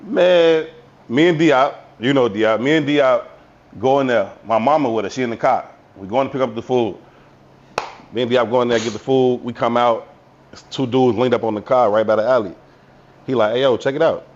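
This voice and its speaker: A man co-hosting a podcast, telling a profane, animated story from his youth with voiced quotes in casual chat. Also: medium pitch, normal speed, lo-fi sound. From Chicago South Side. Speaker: podcast co-host.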